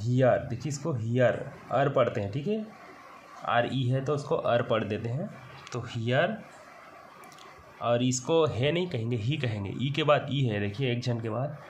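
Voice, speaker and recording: A male teacher with a Hindi accent gives a patient, step-by-step lesson, sounding out English words slowly before explaining them. His voice sits at an ordinary middle pitch. There is a faint hum of noise behind him. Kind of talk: classroom lesson explaining a text.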